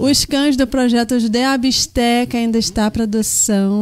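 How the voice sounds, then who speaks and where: Against a quiet background, a woman with a normal speaking voice talks at a moderate pace with fairly even intonation. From Rio de Janeiro, Brazil. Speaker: pet show host. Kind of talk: talk show interview. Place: studio. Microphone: studio mic.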